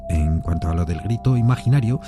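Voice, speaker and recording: An actor playing a composed, rational gentleman who narrates an eerie literary tale in a measured, deliberate way. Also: deep voice, animated, music in the background. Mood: uneasy, reasoning. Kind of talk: literary first-person narration in audio fiction.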